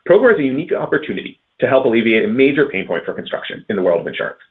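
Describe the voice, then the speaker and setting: A man reading a scripted earnings call presentation as a company finance executive, in measured corporate phrasing with stressed transitions. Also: mid-range voice, very animated, breathy edge, phone-quality sound.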